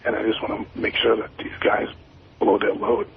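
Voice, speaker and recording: A man's voice: on the low side, completely flat delivery, moderate pace, creaky, noisy background. Whispering man on a tinny phone line. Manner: whispering, stammering. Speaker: caller.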